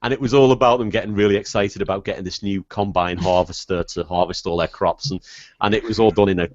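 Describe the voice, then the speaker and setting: A man's voice: sits low, steady tone, fast. A man from the Wirral with a Merseyside accent, co-hosting a podcast in casual chat, laughing often and restarting his sentences. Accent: Merseyside English. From Wirral, England. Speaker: podcast co-host. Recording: dull lo-fi mic, dry.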